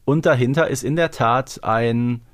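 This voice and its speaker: A man's voice: medium pitch, unhurried. A man co-hosting a podcast, recapping a story in a playful, colloquial, conversational way. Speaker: podcast co-host.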